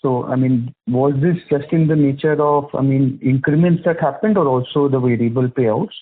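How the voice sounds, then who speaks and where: Indian guy, analyst on a conference call, bit raspy, muffled phone audio, feels his way through questions. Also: mid-range voice, normal speed. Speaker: financial analyst asking questions.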